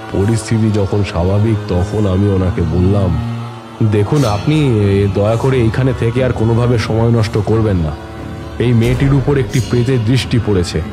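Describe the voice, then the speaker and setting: Male narrator role: solemn tantric holy man telling horror tales a man acting, lowish pitch, prominent music bed. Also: lightly acted. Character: male tantric holy man recounting his uncanny adventures. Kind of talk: dramatic first-person horror narration. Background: dramatic music.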